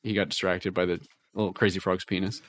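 A man co-hosting a comedy podcast, telling a story in a dry, wry manner that trails off quietly. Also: low voice, little pitch movement, quick pace. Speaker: podcast co-host.

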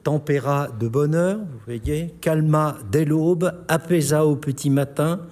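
Higher-voiced playful man. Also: a little slow, a little mellow. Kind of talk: reading out word puzzles.

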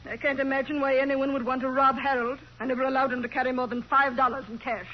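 A woman's voice: sits high, flat delivery, quick pace, natural voice. A woman playing an imperious, self-pitying middle-aged wife in a 1940s radio crime drama. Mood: indignant. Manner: indignant, imperious, complaining. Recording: muffled hissy vintage radio recording.

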